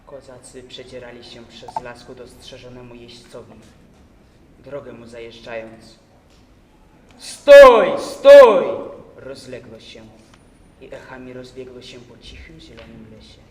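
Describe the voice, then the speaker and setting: A young man giving a measured, theatrical prose recitation at a contest. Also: mid-range voice, level tone, noisy background. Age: young adult. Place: large hall, stage. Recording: echoey hall from far off.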